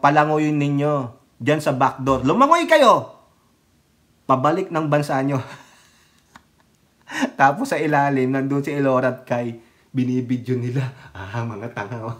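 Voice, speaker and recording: A man with a high voice that rides above most men's, running a casual political commentary vlog. He mocks and heckles the people he talks about and speaks straight to his audience, his scorn pushing through every line. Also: fairly bright tone. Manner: mocking, heckling, and addressing viewers directly; often breaks into laughter. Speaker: political vlogger.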